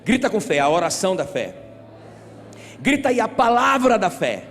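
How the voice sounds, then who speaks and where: Emphatic pastor preaching in an echoing hall. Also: male voice, high-pitched, sing-song, moderate pace. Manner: emphatic, calls on the congregation to shout back; asks the crowd rhetorical questions. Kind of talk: sermon. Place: church sanctuary. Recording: reverberant church hall.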